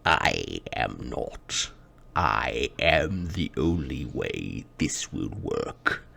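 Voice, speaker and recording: A man voicing a creepy, coldly logical villain creature in a tabletop game, with slow theatrical menace and a gravelly voice. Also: a bass voice, sing-song, bright, forceful tone, voice pushed down, full character voice. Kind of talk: tabletop game role-play.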